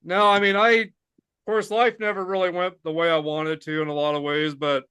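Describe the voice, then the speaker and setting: Smooth-voiced man in his fifties. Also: sits high, level tone, brisk, pushed and bright, dry recording. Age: 50s. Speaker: podcast host. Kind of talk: casual chat.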